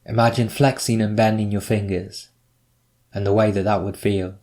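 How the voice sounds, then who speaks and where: A man narrating a scripted guided meditation, giving measured, instructive prompts with pauses between them. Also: fairly low pitch, level tone, a little mellow.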